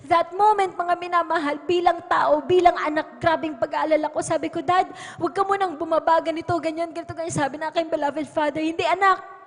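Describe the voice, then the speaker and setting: A woman's voice: extremely high pitch, fairly even intonation, brisk. A woman with a Filipino accent giving an earnest testimony at a Sunday worship service, addressing the congregation again and again as beloved. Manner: earnest, repeats "mga minamahal" as address. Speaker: church worker giving testimony. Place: church hall. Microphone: pulpit microphone. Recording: church livestream with long hall reverb.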